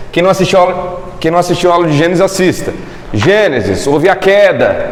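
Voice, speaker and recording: Over noticeable background noise and audible room echo, a man speaks with a high pitch. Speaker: Bible teacher. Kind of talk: lecture. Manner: fast.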